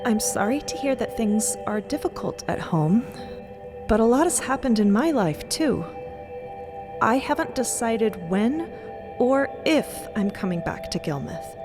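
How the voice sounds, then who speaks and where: A woman playing a composed, firm young woman in an audio drama, speaking with measured restraint. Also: a little high, lively intonation, over music. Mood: calm, resolute. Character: composed young woman firmly standing up to family.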